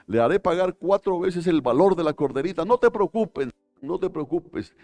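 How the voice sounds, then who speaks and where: A man's voice: on the high side, expressive, fast, mellow, faint music behind, voice pushed up. A man voicing an indignant, hot-tempered King David, with outraged, rising exclamations. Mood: demanding.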